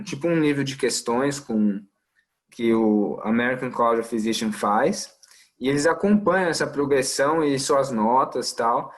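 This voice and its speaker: A young adult man from Brazil with a Brazilian Portuguese accent, a medical resident talking in a casual podcast chat, thoughtful and full of fillers. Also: mid-range voice. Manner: thoughtful, many fillers and trailing asides.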